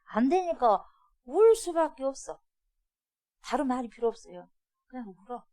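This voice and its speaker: Middle-aged woman pastor, higher voice, animated sermon with questions to the congregation. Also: normal speed. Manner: animated preaching, asks the congregation questions, swings from loud to hushed. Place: church sanctuary.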